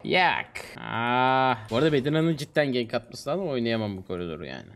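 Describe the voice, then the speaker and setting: A man's voice: medium pitch, expressive, brisk, a bit bright. A young man hosting a gaming stream with casual, slangy, complaining commentary and banter. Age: young adult. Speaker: streamer and video host. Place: small indoor streaming room. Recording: music behind the voice. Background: music.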